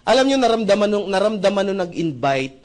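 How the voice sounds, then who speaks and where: A young man from the Philippines giving an animated testimonial at a seminar, acting out conversations and often asking the audience to agree. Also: high voice, fast. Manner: acts out dialogue with shifting voices, asks audience often. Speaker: seminar speaker.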